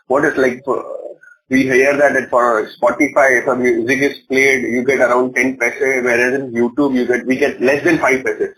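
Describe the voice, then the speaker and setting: A man with an Indian accent asking questions as an investor on a conference call, polite and somewhat halting. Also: mid-range voice, a bit bright. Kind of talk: spontaneous questions on an earnings call. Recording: faintly noisy phone call.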